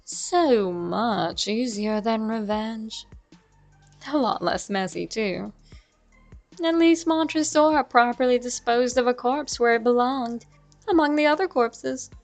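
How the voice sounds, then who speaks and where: A woman reading a classic horror tale aloud in a slow, measured, darkly dramatic way. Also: on the high side. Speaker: horror story narrator. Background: faint music.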